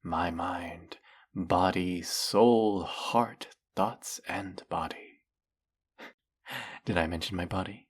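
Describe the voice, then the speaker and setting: Fantasy audio drama: man as zealous demon servant, deep husky voice, grandly reverent, flirtatious and fawning. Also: extremely slow, full character voice. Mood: flirty, worshipful. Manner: grandiose, theatrical, reverent, obsequious.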